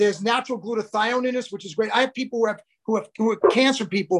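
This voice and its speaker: Someone with a New York accent talks at a very fast pace. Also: man. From New York City. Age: 50s. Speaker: clinical nutritionist and health coach. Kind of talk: interview conversation. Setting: video call from home with dogs.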